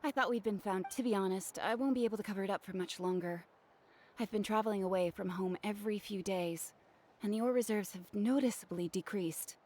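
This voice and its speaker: A woman's voice: medium pitch, a little fast, a little mellow, slight background noise, lightly acted. A woman voicing a friendly, chatty young female jeweler in a video game, slightly flustered. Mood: relieved, apologetic.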